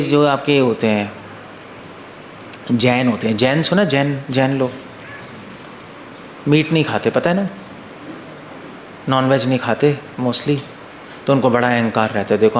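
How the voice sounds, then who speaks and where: Monk giving an informal talk in an echoey room. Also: male voice, measured pace, long pauses, slight background noise. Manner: conversational, asks listeners questions, mixes in English words; acts out quoted voices in a lower, softer tone. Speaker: monk and spiritual teacher. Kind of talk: informal Hindi discourse to a live audience.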